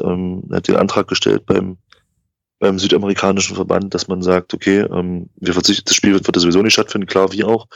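A man co-hosting a casual fan podcast, talking thoughtfully and haltingly with repeated words. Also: sits low, gravelly, dry recording. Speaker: podcast co-host. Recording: dry, slightly dull sound.

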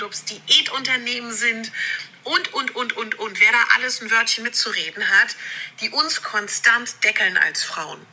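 A woman's voice: on the high side, bright, forceful tone. A woman giving a passionate motivational talk with emphatic repetitions, heard through video audio that was re-recorded for a podcast, so the sound quality is poor. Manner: passionate, emphatic, repeats words for effect. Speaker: podcast host. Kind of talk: motivational self-love talk. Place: friend's garden shed.

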